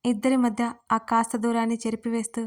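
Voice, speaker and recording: A woman storyteller giving scripted narration of a romance story in an even, steady reading. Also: on the high side, a little fast.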